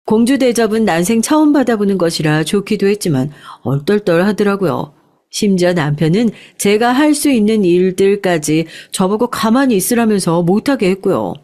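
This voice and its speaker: A woman narrating a first-person life story in a calm, confiding way. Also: medium pitch, normal speed.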